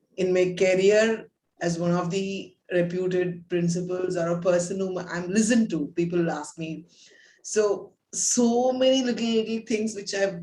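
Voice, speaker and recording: Somewhat breathy and fairly low, a woman's voice keeps a fairly even intonation. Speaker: school principal. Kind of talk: group coaching session sharing.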